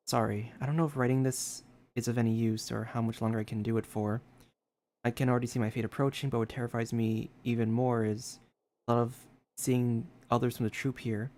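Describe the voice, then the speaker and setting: A man streaming a story game. His voice sits at an average pitch as he reads the on-screen text aloud and drops into casual, conversational commentary. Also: a little mellow.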